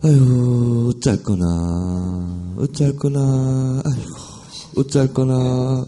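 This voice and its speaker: Very slow, mid-pitched speech from a man doing a put-on character voice. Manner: lamenting, sighing.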